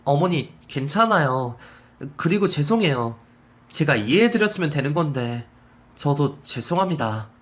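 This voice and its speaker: A man's voice: on the high side, sing-song, moderate pace, pitched above the performer's own voice. A man voicing a grieving young daughter-in-law who speaks politely but firmly. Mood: gentle. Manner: polite, restrained, sharp-edged.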